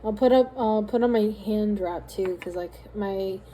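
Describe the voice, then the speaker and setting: Tired woman, mellow voice, rambling. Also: medium pitch, unhurried, a little hiss or hum, rough recording. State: voice slightly strained, starting to go. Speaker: small craft business owner vlogging. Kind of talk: casual rambling vlog diary. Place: hotel room.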